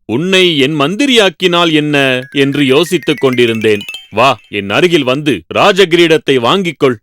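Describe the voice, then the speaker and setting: A man's voice: a little high, animated, normal speed, a bit bright, soft background music. A man voicing a cunning, hungry lion king in a children's cartoon fable, commanding and calculating. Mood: falsely generous.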